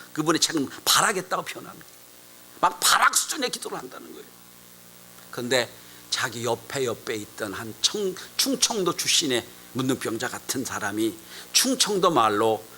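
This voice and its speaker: A dramatic, bright-voiced preaching man. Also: a little high, slight background noise, rough recording. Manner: storytelling with sudden loud emphatic rises and hushed drops. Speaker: pastor. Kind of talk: sermon.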